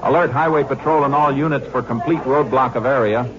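A man's voice: mid-range voice, brisk, crowd noise, close to an everyday voice. An actor playing a steely, commanding Texas Ranger lawman in a 1950s radio western drama. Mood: urgent, clipped. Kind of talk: 1950s radio drama acting and first-person narration. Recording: dull vintage 1950 radio recording, music.

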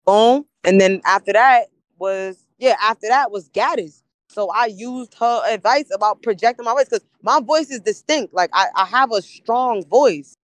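A woman's voice: fairly high pitch, normal speed, no room sound. A woman battle rapper, a podcast guest, talking in casual chat and repeating phrases to drive her points home.

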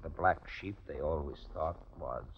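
An actor playing a bitter, despondent rich man's black sheep, halting and weary, in a 1940s style radio drama. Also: a bass voice, slightly rough. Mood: bitter, resigned. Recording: muffled old radio broadcast recording.

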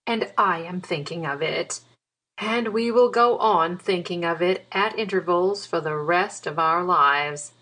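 A man's voice: sits high, unhurried, sharp tone, exaggerated voice, rough recording. A man putting on a proud scolding woman. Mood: teasing. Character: proud indignant grown woman, quick-tempered.

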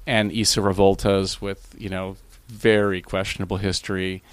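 A man's voice: low-pitched, moderate pace, dry recording. Man telling a rambling car story. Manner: animated, rambling with restarts. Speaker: guest. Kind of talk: casual storytelling.

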